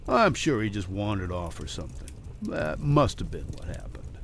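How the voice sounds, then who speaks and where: A man voicing a steady, commanding man calming a companion in a horror story reading. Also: fairly low pitch, moderate pace, vocal fry, slight background noise, pitched below the performer's own voice, exaggerated voice. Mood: firm, reassuring.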